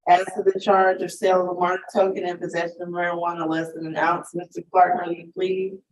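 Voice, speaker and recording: A woman's voice: on the low side, little pitch movement, roomy sound. Formal woman judge, from a distance. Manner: brisk, formal questioning. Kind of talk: courtroom plea hearing. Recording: distant mic with faint noise.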